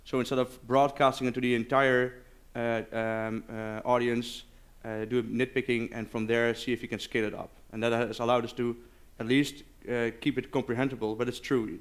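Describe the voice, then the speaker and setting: A man speaking as a conference presenter, answering audience questions informally and haltingly as he searches for words. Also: mid-range voice, clear, resonant tone. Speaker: conference speaker, game developer. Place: live conference session.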